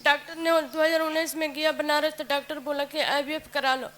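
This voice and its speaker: A woman's voice: sits high, flat delivery, brisk, fairly bright tone, slight background noise. A woman giving an emotional personal testimony in a pleading, rambling way.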